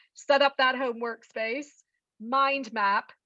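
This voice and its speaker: With a British accent, a woman in a high pitch uses a raised, projected voice with a bright, sharp tone and enthusiastic tone at a fairly slow pace, in a dry, close sound with no echo. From England, then Canada from age 14. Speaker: biology professor. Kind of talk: webinar presentation.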